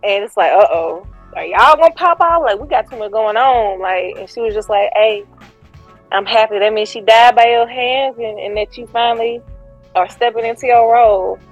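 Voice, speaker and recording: A woman's voice: on the high side, moderate pace, muffled recording, soft background music. A woman co-hosting a podcast, chatting playfully and laughing as she acts out quotes. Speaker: podcast co-host. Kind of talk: casual chat.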